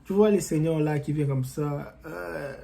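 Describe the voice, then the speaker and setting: A man's voice: a little high, normal speed, creaky, dark tone. A man talking casually and with animation to viewers he calls his friends, giving motivational advice and telling a story. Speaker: vlogger and coach. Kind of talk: casual motivational talk to camera. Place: living in the United States.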